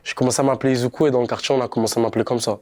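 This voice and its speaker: A young man from Montreal, a rapper, talking casually in a relaxed, slangy street manner during an interview. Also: mid-range voice, very fast. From Montreal, Canada. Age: young adult. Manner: laid-back, slangy street talk.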